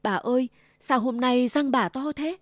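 Woman playing Little Red Riding Hood, sweet and high. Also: a little slow, dry recording, clean studio sound. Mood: innocent. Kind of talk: storybook reading.

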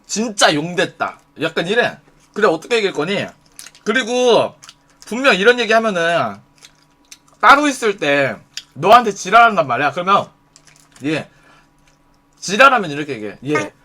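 A bright, high-pitched man talks casually on a live stream and gives blunt advice. He swears freely and keeps acting out the lines he suggests, so his pitch jumps around all the time. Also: big pitch swings, moderate pace, pauses often.

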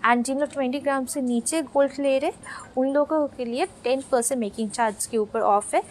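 Young woman, live-stream sales host, bright high voice, casual and chatty, mixes languages, answers viewer comments as she goes. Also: normal speed, slight background noise. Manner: chatty, switching between Bengali, Hindi and English; reads viewer comments aloud and answers them.

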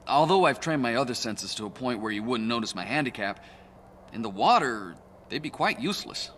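An actor playing a calm, blind male gang leader with a measured, deadpan delivery in a video game cutscene. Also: medium pitch, a little hiss or hum, close to an everyday voice. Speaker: game character.

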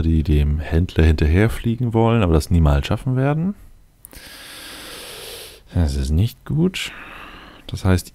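A man with a very low, dark and relaxed voice hosts a let's play. He talks through the game off the cuff, matter-of-fact, as if mostly speaking to himself. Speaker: let's play video host. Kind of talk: casual improvised game commentary, thinking aloud.

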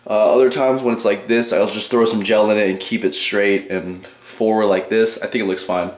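Low-voiced young man in echoey bathroom. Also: steady tone, moderate pace. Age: 20s. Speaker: bodybuilding vlogger. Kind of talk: casual rambling vlog to viewers. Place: small home bathroom. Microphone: handheld camcorder at arm's length.

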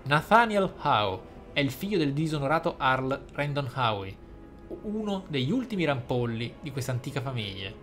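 A man's voice: medium pitch, sing-song, moderate pace, fairly bright tone. A man, a gaming host reading in-game text aloud expressively, with casual, playful asides.

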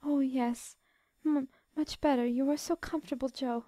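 A woman reading a storybook, voicing a gentle, fragile teenage girl, tearful and sobbing. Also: sits high, fairly even intonation, normal speed, dry recording, studio quality, pitched above the performer's own voice, natural voice. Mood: soft.

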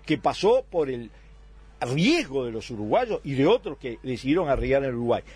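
A man's voice: mid-range voice, big pitch swings, moderate pace, a little mellow, husky. A man in his sixties, born in Italy, arguing his side as a guest in a political radio debate. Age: 60s.

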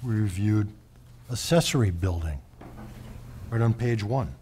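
A man's voice: lowish voice, animated, measured pace, warm tone, slight background noise. A man explaining findings formally as a board member at a public meeting in a small room.

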